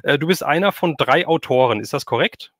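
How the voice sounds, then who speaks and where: A man's voice: on the high side, expressive, a little fast, fairly bright tone, no room sound, clean studio sound. A man speaking as a livestream host in a casual, chatty and enthusiastic way while interviewing a guest.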